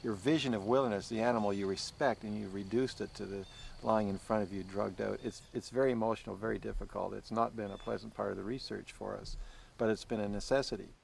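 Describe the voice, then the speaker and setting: A man's voice: on the low side, steady tone, fast talker, gravelly, darkish tone, slight background noise. A man who works as a wildlife researcher, talking earnestly and reflectively in a documentary interview.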